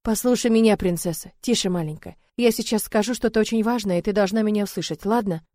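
A woman voicing a tender, determined young man who speaks calmly and firmly to reassure. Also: mid-range voice, fast talker, no echo, studio quality, natural voice. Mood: reassuring. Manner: calm, firm, reassuring.

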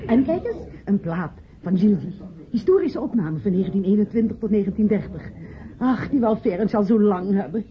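Actress as a chatty, proud hostess, medium pitch. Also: female voice, lively intonation, brisk, lightly acted. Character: proud, chatty party hostess showing off gifts. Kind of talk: Dutch radio play dialogue. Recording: dull old radio recording, party chatter behind.

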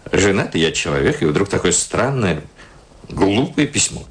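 A man's voice: sits low, big pitch swings, normal speed. An actor playing a self-important, easily flustered middle-aged married man in a radio play, muttering to himself with theatrical hesitation. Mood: indignant, puzzled. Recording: radio play with music underneath.

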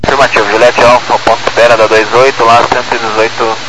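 A man's voice: mid-range voice, flat delivery, quick pace. A male pilot giving clipped procedural readbacks over a crackly aviation radio. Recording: noisy crackly radio transmission.

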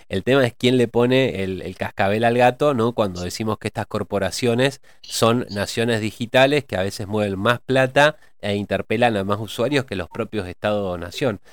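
A man in a reflective cultural discussion, pausing often with hesitations as he thinks aloud. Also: on the low side, clean tone, dry recording. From Argentina.

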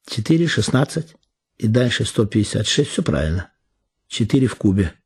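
A man, an actor, reading literary prose in a measured, expressive way with deliberate pauses. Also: lowish voice, slightly rough. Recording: reading over background music. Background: music.

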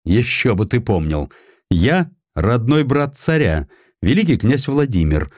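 An actor playing a haughty grand duke and general, speaking in an abrupt, commanding and threatening way. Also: male voice, medium pitch, very animated, measured pace, a little mellow, dry recording, studio quality.

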